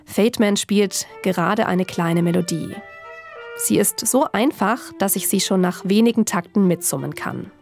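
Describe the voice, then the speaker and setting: A woman journalist narrates a documentary in a calm, measured storytelling voice of middle pitch. Soft music plays faintly behind her.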